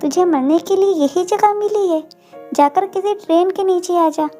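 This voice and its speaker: A woman's voice: very high voice, moderate pace, warm tone, soft background music. A woman voicing a rude, angry male motorist who scolds and insults in a narrated audio story. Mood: scolding.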